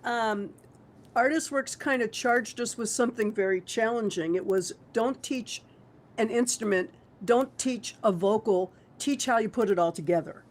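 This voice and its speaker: A woman music teacher with a froggy, hoarse voice from a cold, chatting easygoingly on a video call. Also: fairly high pitch, normal speed. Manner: easygoing, thinks aloud with fillers. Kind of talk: casual roundtable chat.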